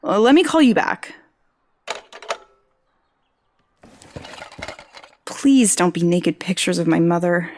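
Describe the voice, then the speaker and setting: An actress playing a young journalism graduate, dry, sarcastic and curious, in a naturalistic audio drama. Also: female voice, on the low side, animated, moderate pace, darkish tone, close to an everyday voice. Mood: exasperated. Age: young adult.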